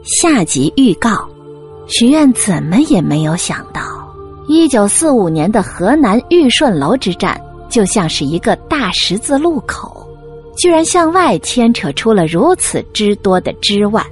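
A woman's voice: medium pitch, big pitch swings, a little slow, soft background music. A woman reading a scripted next-episode preview for an audiobook in a dramatic way. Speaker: preview announcer.

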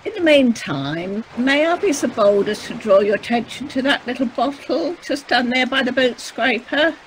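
A woman's voice: sits high, lively intonation, normal speed. A woman playing a cheeky, officious manservant in an audio pantomime, with a dry, mock-formal manner. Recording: faintly noisy video-call recording.

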